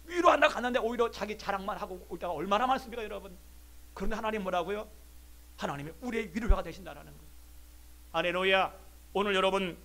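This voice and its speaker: A male pastor preaching a sermon, fervent, swinging between loud calls and hushed storytelling. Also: high-pitched. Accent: Korean.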